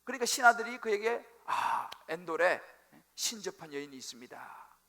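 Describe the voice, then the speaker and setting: A male pastor preaching a sermon, telling the story with animated, acted-out quotes. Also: high voice, moderate pace. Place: church sanctuary.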